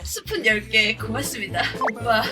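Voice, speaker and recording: A woman's voice: expressive, moderate pace, recorded from a distance, over loud music, natural voice. A woman putting on a sultry, purring flirt-streamer voice. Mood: flirty. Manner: soft, lowered, flirty purring delivery.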